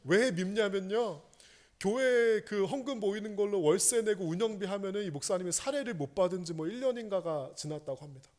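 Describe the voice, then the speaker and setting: Male pastor with a high voice, preaching a storytelling sermon with loud peaks and hushed lows. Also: fairly quick. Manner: storytelling, swinging between raised emotional peaks and hushed lows. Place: church sanctuary.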